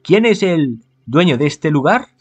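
Animated man from reading a game. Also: fairly high pitch, unhurried, breathy edge. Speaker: gaming streamer. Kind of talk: reading a visual novel aloud with casual commentary.

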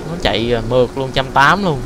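Một người đàn ông Việt Nam bình luận khi chơi game, nói bông đùa, hay lặp từ liên tục khi phấn khích. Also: male voice, mid-range voice, background noise. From Vietnam. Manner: excitable, repeats words rapidly, joking. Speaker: gaming YouTuber. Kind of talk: casual gameplay commentary.

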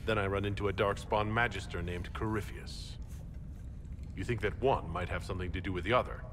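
Deep-voiced, serious fantasy leader played by a man. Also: fairly even intonation, normal speed, a bit bright, a little hiss or hum, lightly acted. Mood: serious, probing. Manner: serious, questioning. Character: calm, inquiring male fantasy leader. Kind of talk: dramatic game dialogue.

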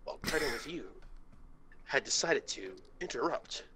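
A man voicing a hurt, bitter adult male fox, pleading with halting intensity in an amateur comic reading. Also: mid-range voice, lively intonation, sharp tone, a little hiss or hum. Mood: earnest, wounded.

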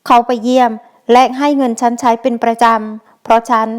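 Brief: woman doing a blunt, threatening ex-convict brother, smooth tone. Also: fairly high pitch, level tone, fairly quick, close to an everyday voice. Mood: gruff. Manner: blunt, coarse and menacing. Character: gruff older brother, just out of prison. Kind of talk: audiobook character voice.

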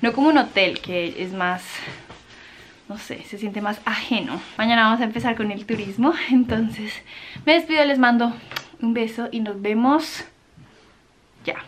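A woman's voice: fairly high pitch, moderate pace, a little hiss or hum, low-quality recording. A woman with a Colombian accent, chatting upbeat to camera in a travel vlog and laughing often. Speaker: vlogger.

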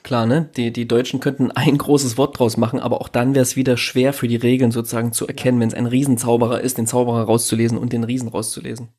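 Husky German man musing on a podcast. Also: mid-range voice, little pitch movement, fast, few pauses, dark tone. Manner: reflective, rambling with restarts and fillers. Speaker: podcast host. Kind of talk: casual podcast discussion.

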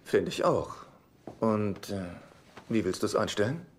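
A man's voice: lowish voice, lively intonation, a little slow, slight background noise. An actor in a German sitcom dub playing a fussy, supportive but dryly sarcastic man. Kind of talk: German-dubbed sitcom acting.

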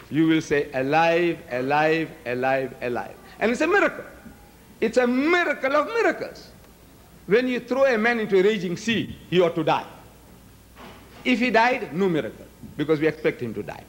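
An older Gujarati-speaking debater, his voice sitting high, argues with emphasis from a podium in a large hall and fires rhetorical questions at the audience. The podium microphones capture slight background noise during this public debate speech.

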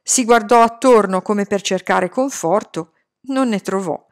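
A woman reading a novel aloud in an expressive storytelling manner. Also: unhurried. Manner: expressive storytelling, lively pitch. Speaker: audiobook reader. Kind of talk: scripted narration of a novel.

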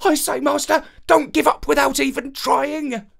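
A woman's voice: high voice, fairly even intonation, unhurried, gravelly, slight background noise, pitched above the performer's own voice, exaggerated voice. A woman voicing an eager, plucky little male dog in a children's story, polite and encouraging.

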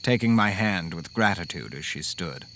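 An actor playing an earnest, haunted man who recounts his horror story in measured, dramatic first-person audio drama narration. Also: sits low, animated, fairly bright tone, a little hiss or hum. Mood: tense recounting.

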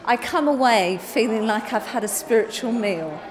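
A woman in her sixties speaks expressively, with lively humour. Her voice rings with a long reverb in the hall, and a crowd murmurs behind her. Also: on the high side, normal speed. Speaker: churchgoer.

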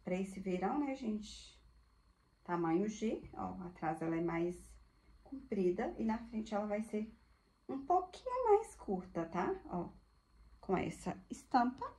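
A woman's voice: medium pitch, very animated, measured pace, warm tone. A woman, showing thrift-store clothes to viewers in a chatty, gushing way. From Brazil. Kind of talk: casual live product showcase.

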